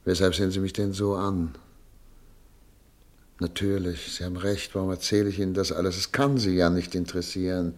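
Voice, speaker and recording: A man acting in a German radio play as a weary, dignified émigré doctor, grave, deliberate and melancholy. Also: low-pitched.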